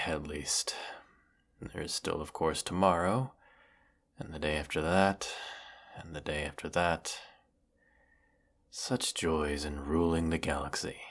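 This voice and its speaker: A very low-voiced, imperious galactic emperor, acted by a man, speaks slowly and with grand formality. He sounds world-weary yet menacing, with a heavy creak in the voice, as in a scripted sci-fi audio drama. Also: fairly bright tone, heavily acted. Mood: weary, brooding. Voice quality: low, gravelly. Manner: pompous, theatrical, formal, drawn-out phrasing. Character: weary, menacing galactic evil emperor, secretly fond of servant. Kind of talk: scripted audio roleplay monologue.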